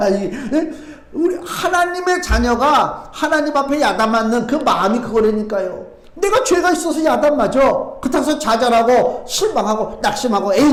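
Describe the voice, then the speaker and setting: A middle-aged man with a high, light voice preaches to his congregation. He talks in a chatty, questioning way, answering his own rhetorical questions. The sound rings around an echoey church room. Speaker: pastor. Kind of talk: sermon. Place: church sanctuary.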